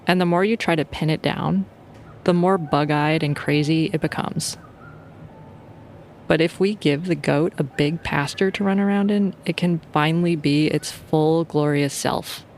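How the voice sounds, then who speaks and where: A woman's voice: low voice, steady tone, moderate pace, darkish tone, a little hiss or hum. A woman leading a guided sleep meditation in an informal, playful and soothing way.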